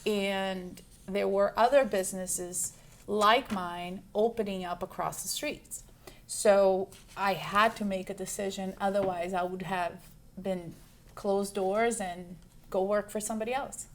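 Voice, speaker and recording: A Brazilian woman in her forties who owns a juice bar answers interview questions in a mid-range, steady, unhurried voice. She's chatty, listing things with plenty of ums and restarts.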